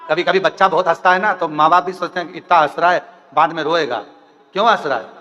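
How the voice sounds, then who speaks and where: A man's voice: a little high, fast talker, muffled recording. A man preaching a devotional Hindu katha, acting out the figures' dialogue and breaking into song. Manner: animated, acts out dialogue, breaks into bhajan singing. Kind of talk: devotional storytelling sermon with song. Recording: long hall reverb, faint music.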